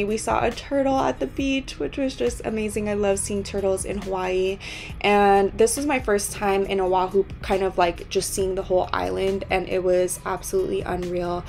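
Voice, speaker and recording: A young woman in her twenties talks through a travel vlog in an easy, chatty way. Her voice is hoarse and worn, and she rambles on, slipping small laughs in between her phrases. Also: mid-range voice. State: hoarse, lost voice. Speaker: travel vlogger. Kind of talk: casual vlog voice-over and to-camera talk.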